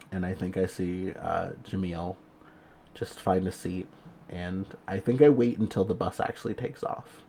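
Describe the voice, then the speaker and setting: A man's voice: low-pitched, dark tone, a little hiss or hum. A man improvising narration as a player in a tabletop game, hesitant and informal, thinking aloud.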